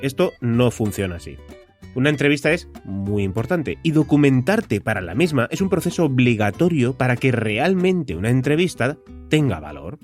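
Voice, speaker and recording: A man from Spain with a Spanish accent hosts a podcast solo, talking conversationally straight to the listener and posing rhetorical questions. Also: mid-range voice. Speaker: podcast host.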